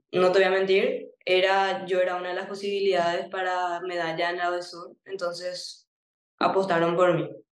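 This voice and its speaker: At a moderate pace, a woman speaks with a fairly low pitch amid audible room echo. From Paraguay. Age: 20s. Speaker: roller skater; interviewee. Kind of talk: interview. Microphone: video call.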